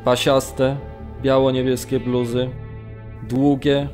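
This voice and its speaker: A man acting a camp prisoner in a radio drama, narrating gravely and with measured restraint, as testimony. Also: mid-range voice, flat delivery, darkish tone, faint music behind, natural voice. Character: male Polish camp prisoner recalling brutality, grave, restrained. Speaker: narrator reading witness testimony.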